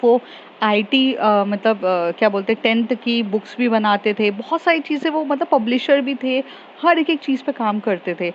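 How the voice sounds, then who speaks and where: A woman's voice: a little high, moderate pace. A woman casually retelling a love story, chatty, with many fillers and English mixed into her Hindi. The recording is slightly dull, with faint noise behind.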